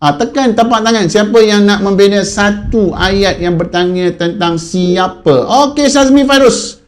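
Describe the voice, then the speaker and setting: A man with a high voice and a Malaysian Malay accent teaches an online class to young pupils. He is animated, asks the children questions and answers for them, and keeps the lesson moving. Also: unhurried. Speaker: primary school teacher.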